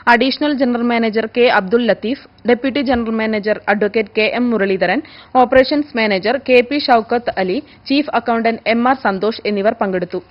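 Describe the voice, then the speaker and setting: A woman reads scripted news in a formal, measured manner. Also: a little high. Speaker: news reader. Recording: dull, lo-fi broadcast audio.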